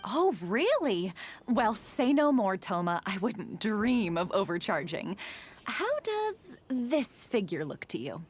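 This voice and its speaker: A woman's voice: mid-range voice, big pitch swings, slow pace, slight background noise. A woman voicing a polite, eager jewelry shopkeeper in a video game, with a courteous sales manner. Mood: welcoming, persuasive. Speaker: shop merchant. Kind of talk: scripted video game dialogue.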